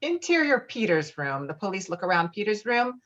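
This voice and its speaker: A woman's voice: medium pitch, very animated, moderate pace, fairly bright tone. A woman reading scripted stage directions as a narrator, heard on muffled audio. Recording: dull, muffled online call audio.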